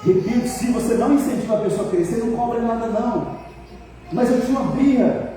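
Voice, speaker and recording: Older brazilian pastor preaching, high mellow voice, joking and asking the crowd to answer, big echo from far off. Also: male voice, quick pace. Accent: Brazilian Portuguese. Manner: folksy, teasing, asks the congregation to answer. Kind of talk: sermon. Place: church hall. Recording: echoey church hall, mic far off, faint noise.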